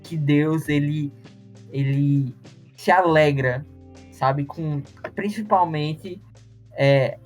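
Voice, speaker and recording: A man co-hosting a podcast, speaking in a reflective, halting way. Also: fairly high pitch, a little mellow, soft background music. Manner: reflective, halting, tags with sabe. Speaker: podcast co-host. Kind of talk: casual chat.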